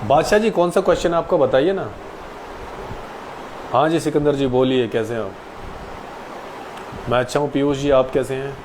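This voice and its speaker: A man's voice: medium pitch, normal speed, pauses often, darkish tone, a little hiss or hum, rough recording. A man in his late twenties, an actor, answering viewers' questions casually and politely on a live stream. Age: 20s.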